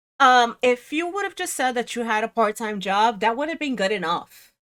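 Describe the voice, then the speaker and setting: A loud woman at a fairly high pitch, with very wide pitch swings and a moderate pace, on a very clean recording with a silent background. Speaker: reaction commentator. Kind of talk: reaction commentary. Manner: mumbling.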